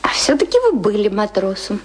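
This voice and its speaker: A woman's voice: medium pitch, very animated, a little fast. An actress playing a sheltered, naive young woman of good family in a Russian radio play, anxious and affectionate, with hesitant repeats. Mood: coy, affectionate.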